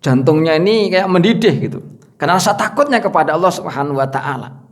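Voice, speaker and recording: A man's voice: on the high side, lively intonation, quick pace. A man preaching a sermon, telling a story in a casual, chatty way with many fillers.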